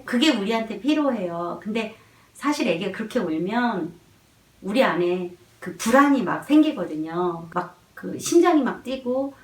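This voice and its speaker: Earnest woman explaining parenting, echoey room. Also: medium pitch. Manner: earnest, gently reassuring. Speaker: parenting educator. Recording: echoey room, mic far off.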